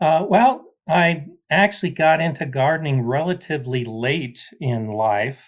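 Here is a man with a normal speaking voice and an American accent, pitched fairly high. He talks at a fairly slow pace with lively intonation. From US Colorado. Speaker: gardener and horticulture teacher. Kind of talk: casual interview chat.

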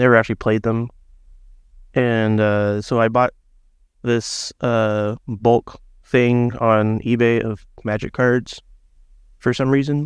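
A man's monotone, flat voice at a very slow pace, with long, frequent pauses over a quiet background. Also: medium pitch for a man. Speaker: card game player. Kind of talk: casual chat.

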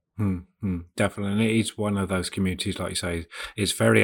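Heard in a very clean recording with a silent background, a man with a British accent speaks at a fairly low pitch with ordinary pitch variation. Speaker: podcast host. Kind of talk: casual interview chat.

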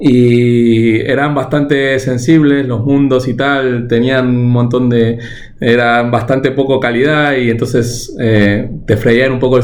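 A man speaks in a flat monotone, with audible echo from the room. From Argentina. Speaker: software consultant. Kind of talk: interview.

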